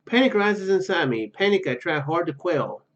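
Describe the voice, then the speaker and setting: Casting: male gaming host, fairly high voice, reads story text with casual asides, slightly dull recording. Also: very animated, normal speed. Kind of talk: reading game narration aloud with casual commentary.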